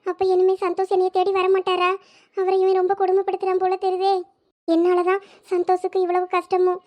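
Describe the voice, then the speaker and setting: A woman's voice: very high-pitched, completely flat delivery, a little fast, a little mellow. A woman voicing a despairing captive young wife who speaks tearfully and pleadingly. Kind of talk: audio drama acting.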